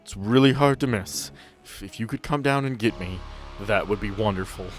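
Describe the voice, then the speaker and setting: A man's voice: fairly low pitch, normal speed, faint music behind, close to an everyday voice. A man voicing a trapped man calling over a radio, eager and pleading for someone to come get him. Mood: relieved.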